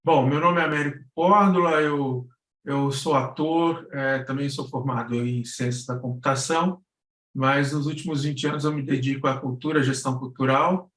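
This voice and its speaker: A man's voice: medium pitch, fairly bright tone. A Brazilian man presenting informally to an online class over a video call, thinking aloud in loose, conversational phrases. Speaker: guest presenter, actor and cultural producer. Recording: roomy, echoing video call audio.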